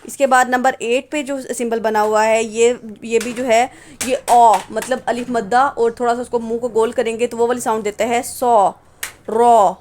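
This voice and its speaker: A woman's voice: fairly high pitch, level tone, normal speed, a little hiss or hum. A woman teaching English phonetics, patiently repeating example words and asking and answering her own questions. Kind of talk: phonetics lesson explaining symbols.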